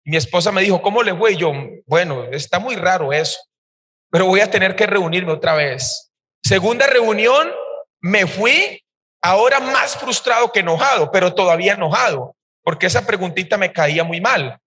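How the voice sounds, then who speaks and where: High, bright-voiced preacher. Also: male voice, moderate pace. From Costa Rica. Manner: animated storytelling, emphatic and expressive. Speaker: pastor. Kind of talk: sermon with personal testimony. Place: church service hall. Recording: reverberant church hall.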